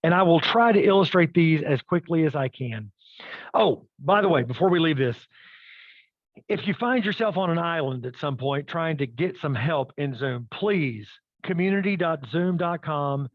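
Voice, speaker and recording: A man's voice: a little high, lively intonation, normal speed, no echo, narrow, tinny audio. A man presenting a live webinar demo, upbeat and checking in with the audience as he goes. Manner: upbeat, addresses audience with "okay?" and "right?".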